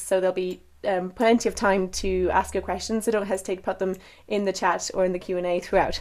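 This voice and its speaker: Someone talks at a very fast pace with a slight Irish accent. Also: woman. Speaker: interpreter and webinar presenter. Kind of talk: webinar presentation. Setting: online webinar.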